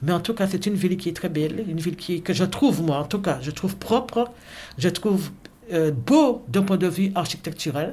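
Somewhat breathy with a dark, mellow tone, a woman speaks at a medium pitch and a moderate pace. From Guadeloupe (Pointe-à-Pitre). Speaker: school administrator. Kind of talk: interview.

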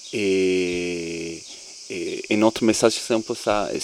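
Noticeable background noise fills the recording. The intonation stays fairly even. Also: man. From Greece and Italy. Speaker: percussionist. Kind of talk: interview.

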